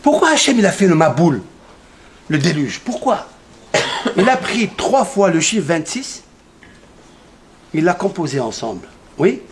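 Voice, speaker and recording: A man's voice: fairly high pitch, big pitch swings, a little slow, long pauses, a little hiss or hum. A man giving a Torah lesson in a synagogue, firing questions at his listeners, answering them himself and repeating key numbers emphatically. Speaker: rabbi teaching a Torah class. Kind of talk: lively Torah lesson to a congregation.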